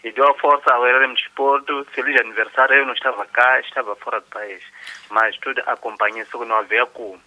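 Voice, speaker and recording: Bright commentator on a dull line. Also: male voice, mid-range voice, fairly even intonation, fast. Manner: greeting clubs and colleagues in a rambling way. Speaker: sports commentator. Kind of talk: radio sports debate.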